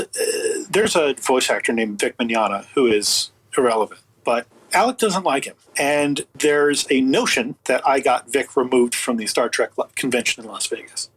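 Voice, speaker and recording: A man with a slightly husky voice speaking as an interview guest in casual, emphatic, opinionated, rambling talk. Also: medium pitch, a bit bright, low-quality recording. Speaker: guest, audio producer and writer.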